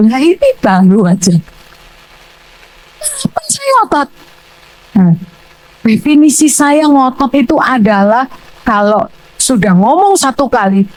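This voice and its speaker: Loud animated older woman preacher. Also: a little high, rough recording. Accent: Surabaya Javanese Indonesian. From Indonesia. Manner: animated storytelling, loud and emphatic, acting out dialogue. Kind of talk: sermon. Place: church.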